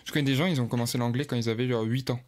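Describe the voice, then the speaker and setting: A young man from France co-hosting a podcast. His voice sits at a middle pitch, and he talks in a relaxed, conversational way with some hesitations. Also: rapid-fire. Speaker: podcast co-host. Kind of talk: casual chat.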